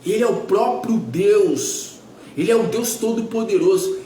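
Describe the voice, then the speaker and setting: A man's voice: sits high, lively intonation, a little slow, warm tone, roomy sound, slight background noise, rough recording. A man in his forties preaching a sermon as pastor, emphatic and repetitive, firing off rhetorical questions. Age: 40s.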